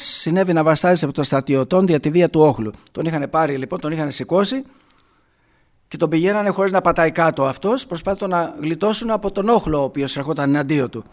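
Greek-speaking male preacher retelling scripture. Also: a little high. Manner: retells scripture with constant "he says", rhetorical questions. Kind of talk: sermon, Bible commentary.

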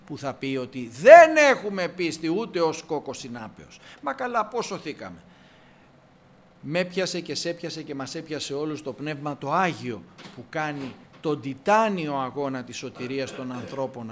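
Animated, high-pitched Greek preacher man. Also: slight background noise. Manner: animated storytelling, acting out biblical dialogue; repeats words for emphasis. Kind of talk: sermon.

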